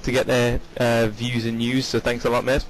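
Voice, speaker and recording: A man co-commentating an online race, upbeat and easily excited. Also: medium pitch, normal speed, a little hiss or hum, rough recording. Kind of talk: live race commentary and interview.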